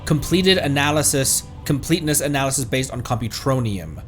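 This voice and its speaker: Guy on a game stream reading text out loud, trips on big words, some music playing. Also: mid-range voice, expressive, fairly quick. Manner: stumbles over long words while reading. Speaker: streamer, video game player. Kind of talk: reading game text aloud with asides on a livestream.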